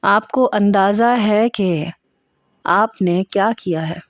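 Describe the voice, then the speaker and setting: A woman's voice: medium pitch, dry recording, studio quality, close to an everyday voice. Woman acting a stern, furious male doctor. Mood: stern anger. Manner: harsh, emphatic, reprimanding.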